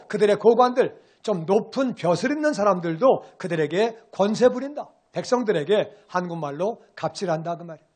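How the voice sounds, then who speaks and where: A male pastor delivering a sermon with a high-pitched voice. He preaches in an animated, conversational way, slipping into casual asides and acting out the voices he quotes. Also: husky.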